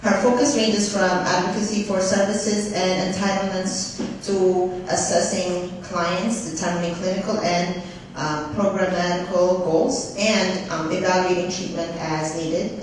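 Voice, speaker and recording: A woman's voice: lowish voice, steady tone, unhurried. A woman hosting an event, introducing a speaker by reading a bio with hesitant fillers. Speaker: event host. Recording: echoey hall, distant mic, faint noise.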